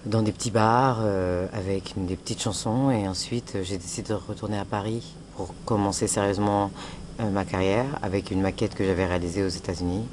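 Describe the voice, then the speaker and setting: Singer in an interview clip, really low voice, calm with fillers, noisy recording. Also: female voice, brisk.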